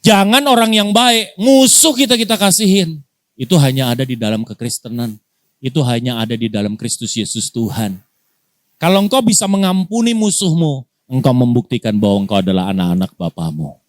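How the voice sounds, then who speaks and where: A man's voice: mid-range voice, lively intonation, brisk, no room sound. A male pastor from Indonesia preaching a sermon, firing rhetorical questions at the congregation and dropping into casual slang. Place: church.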